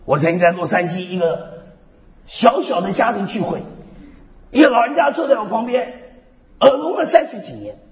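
A man preaching a sermon with lively storytelling, repeating "hallelujah, amen" again and again, swinging between loud and soft. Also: high voice, normal speed. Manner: peppers speech with "hallelujah, amen" refrains. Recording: echoey hall, dull lo-fi sound.

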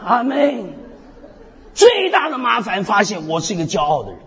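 Speaking at a moderate pace in a high, creaky voice, a North American male pastor preaches with energy, trading humor and stories at his own expense for frequent call-and-response hallelujahs. Slight background noise accompanies the recording, made in a dull hall with long reverb.

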